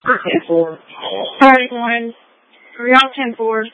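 A woman's voice: fairly high pitch, animated, fairly bright tone, no echo. Woman dispatcher over walkie talkie. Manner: brisk, clipped call codes. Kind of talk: terse radio dispatch calls. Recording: tinny two-way radio, dry.

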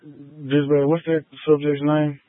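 A man's voice: fairly high pitch, completely flat delivery, slow pace, no room sound. A male police officer talking in terse, clipped codes over a police radio transmission. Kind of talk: radio traffic with dispatch. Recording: tinny dry two-way radio.

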